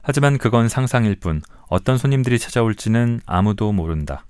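A man in his forties, an author reading his own essays aloud in a slow, measured, reflective way, pausing to talk to listeners between passages. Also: fairly low pitch, a little mellow, smooth, no room sound, clean studio sound. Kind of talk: calm literary reading aloud.

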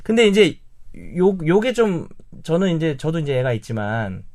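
A man in his thirties hosting a casual panel talk, animated and leading the discussion with questions. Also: on the high side, moderate pace, dry recording, studio quality. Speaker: podcast host.

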